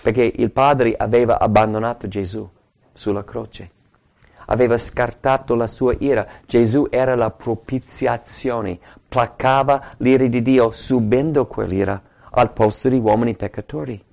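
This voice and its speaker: A man's voice: medium pitch, fairly even intonation, unhurried, creaky, darkish tone. A man preaching a sermon with emphasis, repeating key words and asking rhetorical questions.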